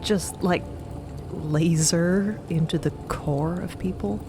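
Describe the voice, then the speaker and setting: Woman playing a low-voiced, caring crew woman. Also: takes it slowly, noisy background. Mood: wry. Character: friendly, caring, plain-spoken crew woman. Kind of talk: audio drama character acting.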